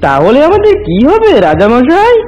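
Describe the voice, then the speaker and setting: A man voicing a worried, soothing fox husband in an animated fable, pleading and expressive. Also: very high-pitched, moderate pace, dull audio, full character voice. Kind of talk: animated fable character acting.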